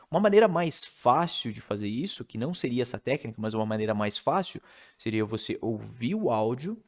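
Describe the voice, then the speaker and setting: Brazilian man teaching a casual video lesson. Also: medium pitch. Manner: explains step by step, checks in with "né?" and "tudo bem?". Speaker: English teacher.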